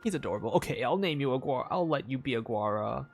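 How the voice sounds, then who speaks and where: Animated game streamer thinking aloud. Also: medium pitch, fast. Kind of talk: casual playthrough commentary, reading game text aloud. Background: game music.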